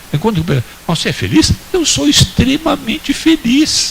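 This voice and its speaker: Over noticeable background noise, a man is speaking. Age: 90s. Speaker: spiritist lecturer. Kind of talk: lecture.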